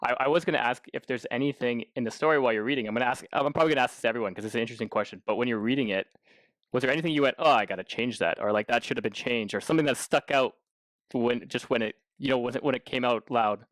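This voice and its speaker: A man's voice: medium pitch, very fast, a bit bright, no room sound. A man co-hosting a podcast, interviewing in a casual, conversational way.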